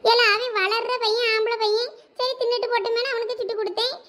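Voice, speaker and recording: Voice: very high voice, level tone, fast talker, a crowd in the background. A voice actor playing a scolding mother in a cartoon, with a Thoothukudi Tamil accent. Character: scolding mother who favors her son. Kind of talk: cartoon voice acting.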